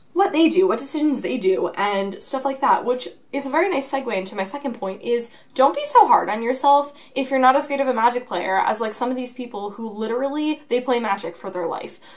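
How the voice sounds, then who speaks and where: Noticeable background noise runs under a high-pitched woman's voice. She talks at a fairly quick pace in an animated tone, with hardly any pauses. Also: lively intonation. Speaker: gaming YouTuber. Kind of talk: casual vlog tutorial. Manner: fast.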